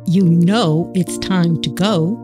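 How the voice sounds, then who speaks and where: A man putting on a gentle, kindly woman dog owner. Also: high voice, fairly even intonation, slow pace, music in the background, pitched above the performer's own voice.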